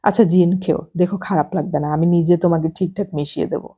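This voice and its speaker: A woman doing an easygoing husband in his thirties for an audiobook, low, husky, calm and coaxing. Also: fast.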